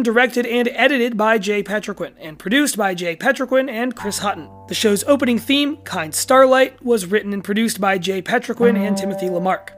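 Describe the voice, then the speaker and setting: High-voiced man reading podcast credits. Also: fairly bright tone. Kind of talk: scripted narration.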